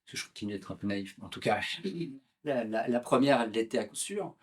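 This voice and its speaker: A man's voice: on the low side, expressive, fairly quick, husky. A man, an author being interviewed, talking in a hesitant way with many fillers and restarts. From France. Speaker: author and political activist, interview guest. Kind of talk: conversational interview.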